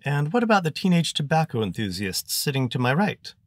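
A man voicing a wordy, pompous gentleman adventurer, in a dry close recording. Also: on the high side, sing-song, fairly quick, dry recording, pitched above the performer's own voice.

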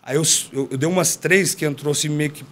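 A man, a former fighter, telling a story in casual chat, slangy and animated, acting out what others said. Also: a little high, brisk. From Brazil. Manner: animated, slangy, acts out quoted dialogue. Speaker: podcast guest, former MMA fighter.

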